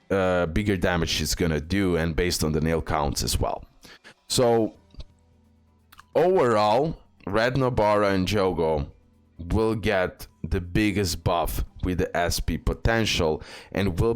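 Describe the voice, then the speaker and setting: A man giving casual, excited commentary on a mobile game, reading skill text aloud and sharing his picks. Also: low-pitched. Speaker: gaming content creator.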